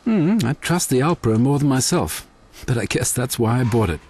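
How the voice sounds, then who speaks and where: An actor voicing a thoughtful dairy farmer in a scripted advertisement voice-over. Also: male voice, medium pitch, expressive, moderate pace, darkish tone, a little hiss or hum, lightly acted. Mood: reflective.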